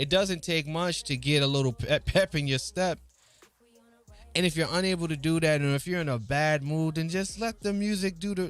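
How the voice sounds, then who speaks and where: Music plays in the background as a man talks at a moderate pace, his pitch fairly high with ordinary variation. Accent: New York. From New York City, Harlem. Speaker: livestreamer. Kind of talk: casual livestream chat. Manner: animated.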